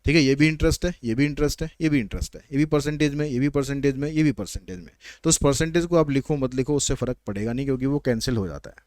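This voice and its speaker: A male maths teacher walks his viewers through word problems one step at a time, chatty and a little teasing. His voice is smooth and crisp, at a middle pitch. It is recorded close up on a dry mic. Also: quick pace, hardly any pauses, a little mellow, dry recording. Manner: explains step by step, code-switching English questions into explanation. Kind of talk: online maths lesson.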